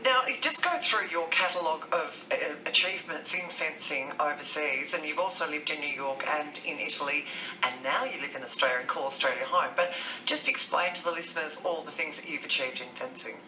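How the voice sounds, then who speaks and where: A woman's voice: low-pitched, brisk, reverberant, recorded from a distance, over music, rough recording. A woman hosting a radio interview, chatty and encouraging in her questions. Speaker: radio host.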